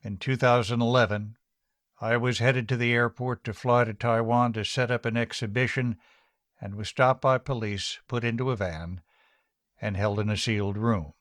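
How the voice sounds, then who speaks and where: A man hosting a radio news program, reading his script in an even, measured way. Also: medium pitch, no room sound, studio quality.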